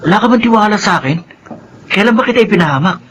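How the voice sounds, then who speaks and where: A man's voice: high-pitched, animated, rapid-fire, fairly bright tone, slight background noise. A young male actor playing a resentful twin son who bosses his brother around and complains about his mother. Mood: sulky. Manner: sulky, pushy.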